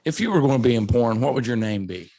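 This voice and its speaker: A man co-hosting a casual comedy podcast, teasing the others in quick banter. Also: mid-range voice, lively intonation, mellow. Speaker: podcast co-host. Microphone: video call.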